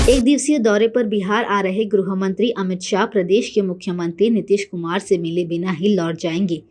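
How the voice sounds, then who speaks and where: A woman reads the news as an anchor. Her pitch sits in the middle range for a woman. The delivery is scripted, formal and measured, in the manner of a bulletin. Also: dark tone.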